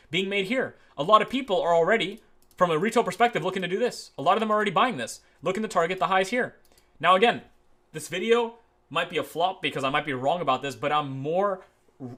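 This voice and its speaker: A man teaching trading as he walks through charts on his screen, tagging his points with "right?" and moving between quick and slow stretches. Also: on the high side, bright, forceful tone. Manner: repeats "right?" as a tag, talks through live charts; uneven pace, speeds up and slows down. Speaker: trading educator. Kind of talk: screen-share chart walkthrough.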